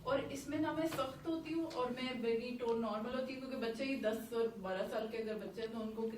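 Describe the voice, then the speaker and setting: High-voiced woman, echoey and off-mic. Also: darkish tone, far from the mic, slight background noise. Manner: asks questions and shares her own parenting practice. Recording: echoey room, off-mic, faint ambience.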